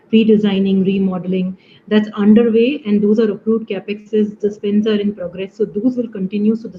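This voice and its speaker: Woman, Indian accent, finance executive answering call questions, muffled audio, slight background noise. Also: mid-range voice. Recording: dull call line, faint noise.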